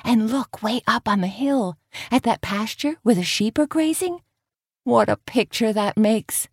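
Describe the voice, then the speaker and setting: A woman voicing a cheerful grown woman revisiting her childhood camp, light and softly wistful. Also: fairly high pitch, unhurried, breathy edge, no echo, studio quality, voice pushed up.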